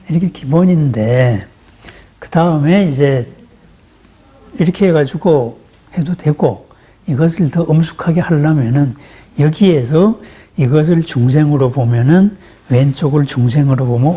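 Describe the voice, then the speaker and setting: A man's voice: fairly high pitch, moderate pace, dark tone, husky. A man giving a teaching sermon on meditation practice. He explains step by step and keeps checking in with his listeners through short questions. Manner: conversational, uses rhetorical questions. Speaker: Buddhist teacher.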